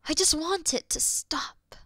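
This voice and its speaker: A woman playing a weary, noble and gentle demon queen in a fantasy audio roleplay, speaking earnestly in a breathy, hushed way. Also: very high voice, no echo, whispered, clean studio sound. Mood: solemn, resigned. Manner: solemn, slow, earnest, breathy hushed delivery.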